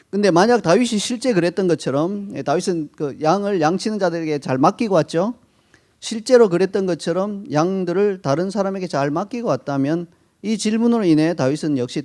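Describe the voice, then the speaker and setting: A man preaching a sermon, explaining calmly and acting out short quoted lines. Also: fairly high pitch. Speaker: pastor.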